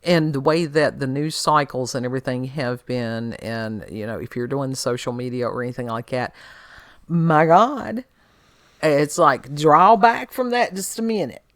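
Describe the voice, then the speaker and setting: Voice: mid-range voice, unhurried, no echo, clean studio sound. A podcast co-host chatting casually, rambling and changing direction mid-sentence. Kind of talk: casual conversational chat.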